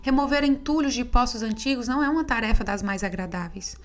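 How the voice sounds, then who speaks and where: Higher-pitched woman reading an audiobook. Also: faint music behind. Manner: steady, measured reading. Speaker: audiobook narrator. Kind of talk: scripted audiobook narration.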